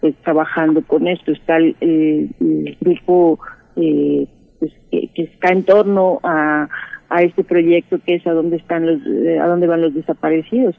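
Mexican woman journalist on a phone line, gravelly voice, keeps restarting as she looks for words. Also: sits low, no echo. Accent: Mexican Spanish. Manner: halting, searching for words, many restarts. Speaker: journalist and former teacher. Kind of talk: radio interview answer. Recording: tinny phone-line sound, dry.

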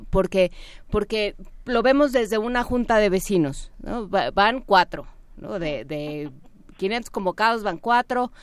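A woman on a radio talk show, talking in an animated way with hesitant restarts. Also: medium pitch, smooth, no echo. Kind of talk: casual discussion.

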